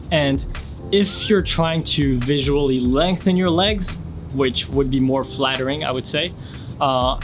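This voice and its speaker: A young man from France talks through viewer questions in an easy, unhurried way, reading each one out before answering at length. His voice sits at an ordinary middle pitch. Clear background music runs under his speech. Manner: relaxed, reads questions aloud then answers at length. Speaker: fashion YouTuber. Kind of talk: casual Q&A vlog.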